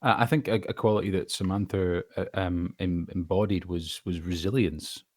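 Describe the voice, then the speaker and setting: A man's voice: sits low, fairly even intonation, normal speed, darkish tone, no echo, clean studio sound. A man speaking as a voice actor in a casual interview, thinking aloud with hesitant starts and thoughtful elaboration. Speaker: voice actor, podcast guest.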